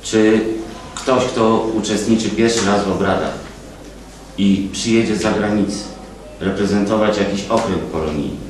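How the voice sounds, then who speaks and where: A fairly low-pitched man at a moderate pace, fairly even in intonation, with long, frequent pauses, audible room echo and light background noise. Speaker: assembly delegate. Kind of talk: speech at assembly. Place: meeting room. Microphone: camera far.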